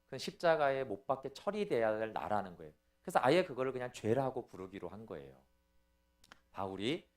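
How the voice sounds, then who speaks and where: A man's voice: mid-range voice, big pitch swings, a little fast. A middle-aged man, a pastor, giving a teaching sermon in an explanatory way and often checking in with his listeners. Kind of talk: sermon lecture.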